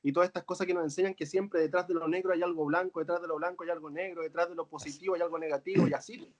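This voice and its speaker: Earnest man, fairly high voice. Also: steady tone, rapid-fire. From Chile. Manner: earnest, tags phrases with "¿verdad?". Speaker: guest, author and coach. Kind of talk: reflective conversation.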